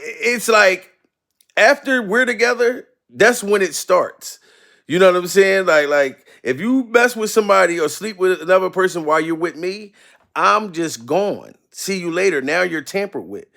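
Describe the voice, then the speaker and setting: A man's voice: high voice, vocal fry, a bit bright. A man in his forties giving loose, profane reaction commentary, laughing often and asking "you know what I mean" again and again. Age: 40s.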